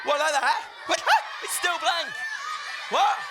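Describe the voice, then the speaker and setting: A man presenting a live children's science show with an excitable, theatrical manner, urging the audience to cheer. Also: extremely high pitch, takes it slowly, a loud crowd, heavy background noise. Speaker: stage presenter. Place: live event hall with an audience. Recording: music playing behind.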